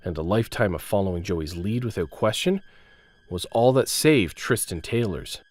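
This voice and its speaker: A man's voice: lowish voice, lively intonation, normal speed, a little mellow. A man narrating a scripted audio drama with intense, suspenseful delivery, broken phrase by phrase.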